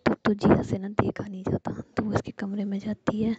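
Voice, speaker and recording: A woman telling a love story in a soft, intimate, breathy whisper, in a whispered storytelling style. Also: medium pitch, monotone, brisk, dry recording, highs cut off.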